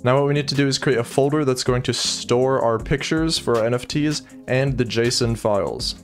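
A young man hosting a coding tutorial, walking through each step in a steady, plain manner, recorded on a desk mic in a small home studio. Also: medium pitch, moderate pace, faint music behind. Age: young adult. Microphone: seen studio desk mic on arm.

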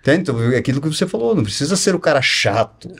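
A man's voice: on the high side, sing-song, very fast, vocal fry, slightly rough. A man chatting as a podcast guest, explaining things with everyday comparisons and checking that he is understood. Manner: explains with homespun comparisons, keeps asking "entendeu?". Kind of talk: casual podcast chat.

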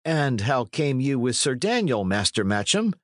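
A man voicing a bold, animated young medieval adventurer. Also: medium pitch, normal speed, no echo, studio quality, pitched above the performer's own voice, lightly acted. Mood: forthright. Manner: archaic, hearty, forthright speech. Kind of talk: storybook character reading.

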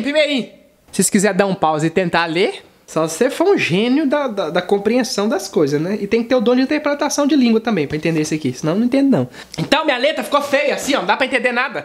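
Man, rapid-fire delivery, comedy vlogger, self-mocking jokes. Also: very high-pitched, a bit bright. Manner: jokey, self-mocking, laughs at his own puns. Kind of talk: casual comedy monologue.

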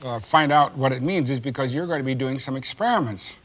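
A man's voice: mid-range voice, fairly quick, a bit bright. An older man hosting a children's science show, patiently asking questions and explaining an experiment in a kitchen set. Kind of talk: teaching a child.

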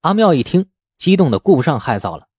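A man reading a novel aloud as scripted, expressive storytelling narration. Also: on the high side, quick pace, slightly rough, dry recording, clean studio sound. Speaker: audiobook narrator.

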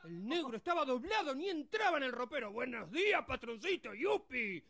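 A man putting on a high, squeaky voice with an Argentine accent, telling jokes on a TV show and acting out the characters in them. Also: sing-song, a little fast, gravelly, a bit bright, exaggerated voice. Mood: chatty. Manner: rattles through jokes, acts out other characters. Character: squeaky-voiced cheeky grown man, playful joker. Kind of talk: stand-up joke telling on a TV show.

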